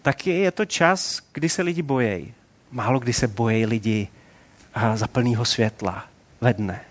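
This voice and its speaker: A man in his forties preaching a sermon in a relaxed, conversational way, asking rhetorical questions. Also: mid-range voice.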